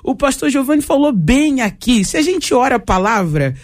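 A woman pastor speaking on a talk show, emphatic and preaching, her pitch swinging high and low. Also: big pitch swings, moderate pace.

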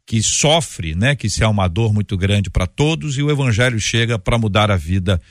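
Male radio host, Brazilian. Lowish pitch, dry studio-like sound, measured moderating of a religious debate. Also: lively intonation, no room sound. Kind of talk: moderating a live religious talk programme.

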